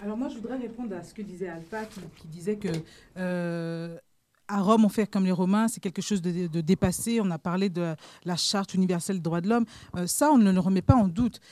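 A woman making a measured argument in a formal debate, building emphasis as she goes. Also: lowish voice, warm tone.

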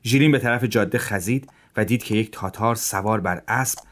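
A man narrating a story in a steady, measured way. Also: lowish voice, background noise. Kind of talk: audiobook narration.

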